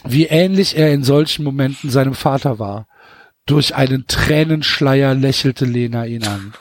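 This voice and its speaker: A man's voice: mid-range voice, normal speed, no room sound. A man hosting a podcast, reading a novel aloud and breaking off for mocking comments, stumbling over his words. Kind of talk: casual reading with mocking asides.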